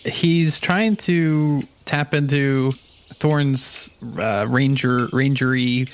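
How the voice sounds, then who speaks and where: A man's voice: mid-range voice, fairly even intonation, extremely slow, slight background noise. A man chatting casually as a player in a tabletop roleplaying game.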